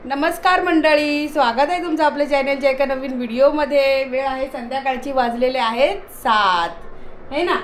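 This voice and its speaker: Female vlogger, high bright voice, easy casual chat. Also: moderate pace, slight background noise. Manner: coaxing, calls out to pets and kids. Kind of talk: casual vlog chat with her dog.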